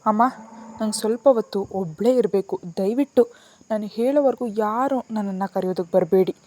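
A woman reading a storybook aloud and voicing a defiant, stubborn young woman who answers back sharply and loudly. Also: medium pitch, moderate pace, natural voice. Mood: cold, resolute. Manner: sharp, indignant and loud.

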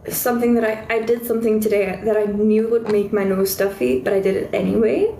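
A woman's voice: mid-range voice, steady tone, fairly quick, warm tone, echoey room, slight background noise. A young woman with a stuffy nose and a fading voice, chatting casually with viewers of her livestream from her bedroom, easily distracted. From South Africa. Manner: chatty, easily distracted, squeals at cute things. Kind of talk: casual live chat with viewers. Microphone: phone held close.

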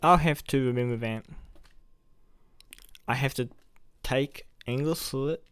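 A man's voice: mid-range voice, takes it slowly, a bit bright, smooth, dry recording. A young man playing an awkward, earnest college student who is secretly a superhero, in a roleplay audio with hesitant delivery. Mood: friendly, casual.

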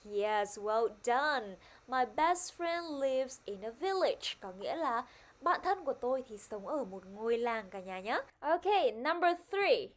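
A woman's voice: fairly high pitch, animated, slow pace. A woman teaching a primary-school English lesson online, upbeat and coaxing. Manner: upbeat, coaxing, switches between two languages.

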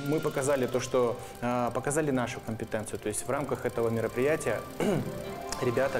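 Guy in his 30s explaining stuff casually in a studio interview, average pitch. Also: darkish tone. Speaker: animation studio guest. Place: television studio, indoors. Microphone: lapel microphone.

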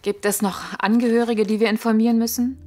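An actress playing a composed, matter-of-fact police detective in a radio play. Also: female voice, fairly high pitch, level tone, brisk, darkish tone, natural voice. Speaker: actress in an audio drama. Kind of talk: German radio play acting.

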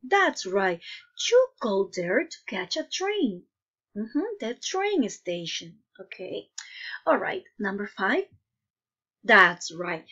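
A woman's voice: mid-range voice, very animated, slow, fairly bright tone, husky, lo-fi sound. A woman teaching young children in the manner of a kids show host, encouraging and prompting them with questions and short checking tags. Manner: kids show host style, encouraging, addressing viewers directly; frequent questioning tags like "no?" and "okay?". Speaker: primary school English teacher. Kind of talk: children's online lesson, prompting pupils with questions.

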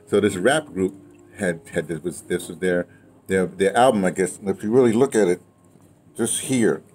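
A man's voice: low-pitched, normal speed, darkish tone. A man in his seventies reminiscing in casual conversation, repeating phrases as he tells his stories. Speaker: interviewee, audio drama veteran. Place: outdoors, patio or yard of a building. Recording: clearly noisy outdoor ambience.

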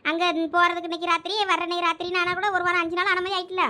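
Very high-pitched woman with a Thoothukudi accent. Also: monotone, rapid-fire, bright, forceful tone. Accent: Thoothukudi Tamil. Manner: fretful, melodramatic worrying. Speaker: comedy sketch creator playing several villagers. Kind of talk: village comedy skit.

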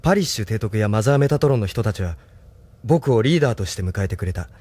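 Brief: a gentle, reflective young leader, mid pitch, expressive delivery. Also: male voice, fast talker, slightly rough, no room sound. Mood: earnest. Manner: soft-spoken, reflective. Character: thoughtful young male leader, gentle and earnest. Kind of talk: radio drama acting.

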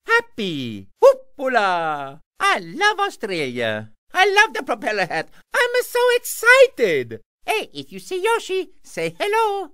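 A woman performs a cheerful adult male Italian plumber hero from a video game, using an exaggerated Italian accent and a playful, exclamatory style. Her voice is fairly high, pushed and bright, exaggerated and cheery. The recording is dry and studio quality.

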